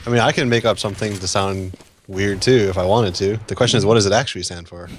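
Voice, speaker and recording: A man co-commentating an esports match, offering relaxed, conversational analysis on a headset mic. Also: fairly low pitch, quick pace, a little hiss or hum.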